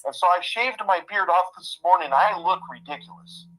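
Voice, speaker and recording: A man of about fifty with a bright, forceful voice who talks in a heartfelt, halting way, doubling back on his words. He shares a personal story over what sounds like a phone-line call. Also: sits high. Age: 50s. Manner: heartfelt, halting, repeats himself. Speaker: guest.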